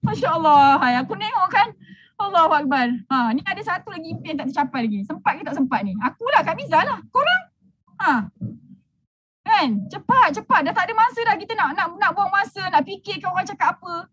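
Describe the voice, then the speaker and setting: A woman's voice: very high-pitched, big pitch swings, a little fast, fairly bright tone, slight background noise. A middle-aged woman with a Malaysian Malay accent, giving a brash, teasing motivational talk to a group as a business mentor, laughing often.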